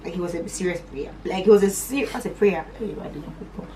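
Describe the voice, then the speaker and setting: A young woman from Northern Nigeria telling a personal story on her vlog in a chatty, animated way, her voice swinging up high and dropping to low asides. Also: a little fast, far from the mic, noisy background. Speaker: vlogger.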